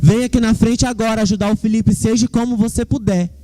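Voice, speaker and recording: A man's voice: high-pitched, fairly even intonation, fast talker, mellow. A young man giving a fervent church testimony, speaking directly to the congregation. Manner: fervent, addresses the congregation as "queridos".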